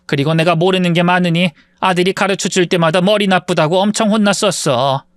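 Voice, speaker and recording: A man voicing an elderly mother-in-law who speaks in a low, weary, plain-spoken way. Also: steady tone, fairly quick, dry recording, close to an everyday voice.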